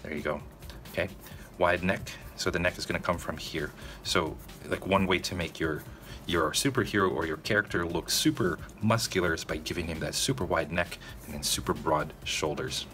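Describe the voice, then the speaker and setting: Low-voiced man talking through a drawing. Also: normal speed, few pauses, pushed and bright, soft background music. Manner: casual, addresses viewers directly, frequent "okay?" check-ins. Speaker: drawing tutorial host. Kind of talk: narrated step-by-step drawing tutorial.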